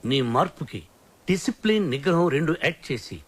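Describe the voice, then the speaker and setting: A boastful, self-important storyteller. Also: male voice, a little high, sing-song, fairly quick, slightly rough. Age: middle-aged. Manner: boastful, lecturing, comic storytelling. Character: boastful middle-aged man, comically self-important. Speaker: boss and guardian. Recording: film soundtrack with background music.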